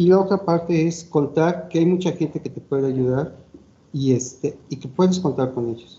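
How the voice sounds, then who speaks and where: A man with a fairly high pitch and ordinary pitch variation talks at a moderate pace. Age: 60s. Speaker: chemical engineer, COVID survivor. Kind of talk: interview. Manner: hesitant, many fillers.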